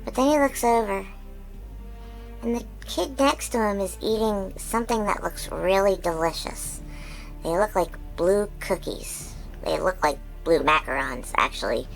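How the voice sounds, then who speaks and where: A woman voicing an excitable, childlike male creature who hosts a chatty episode recap, bubbly and full of giggles and squeals. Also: mid-range voice, a little slow, vocal fry, faint music behind, low-quality recording. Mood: excited recap. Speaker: recap host.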